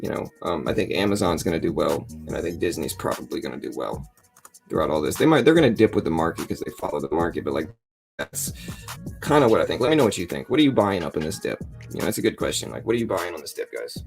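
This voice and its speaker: A middle-aged man with a raspy morning voice, chatting casually as a livestream host in a joking, self-deprecating, rambling way. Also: very animated, fast talker, a little mellow, faint music behind. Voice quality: deep morning voice. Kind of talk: casual live trading commentary to chat.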